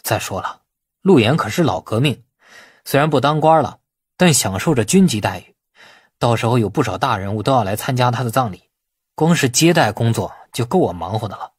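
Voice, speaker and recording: A man acting a patient, husky young son. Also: mid-range voice, lively intonation, fairly quick, no echo, studio quality. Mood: patient explaining. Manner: explanatory, conversational. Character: patient young man reasoning with his mother.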